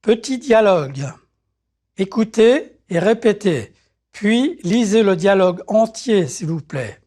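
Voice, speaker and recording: Slow, lively-pitched French lesson voice. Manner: slow, deliberate, carefully articulated. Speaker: French pronunciation model speaker. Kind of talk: slow drilled language-lesson prompts.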